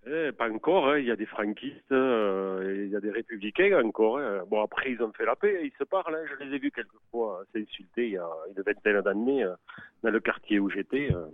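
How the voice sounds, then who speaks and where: A man with a fairly low voice, heard through a thin, dry phone-like connection. He chats casually and colloquially, hesitating and tacking small tags onto his phrases. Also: big pitch swings, a little fast, no echo. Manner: hesitant, colloquial, tag words at phrase ends. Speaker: interviewee, member of the public. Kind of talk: casual spontaneous chat. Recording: tinny phone-like radio line.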